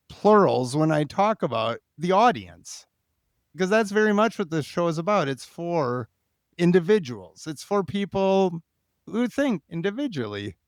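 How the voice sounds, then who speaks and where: A man's voice: high voice, sing-song, a little slow, smooth, no echo, studio quality. A man hosting a podcast interview in a casual, chatty way, thinking aloud as he goes. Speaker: podcast host.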